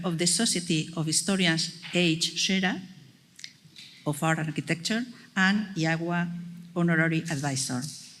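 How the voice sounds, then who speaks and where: A woman's fairly low voice with long, frequent pauses and audible room echo. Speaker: conference presenter introducing speakers. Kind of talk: formal introduction at conference. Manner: halting, hesitant.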